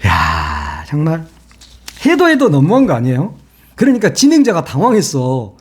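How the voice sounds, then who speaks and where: Man, solo commentary host, mocking, sarcastic, very animated pitch. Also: moderate pace, slightly rough. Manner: mocking, sarcastic, laughs at his own jokes. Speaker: political commentary channel host. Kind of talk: casual solo political commentary.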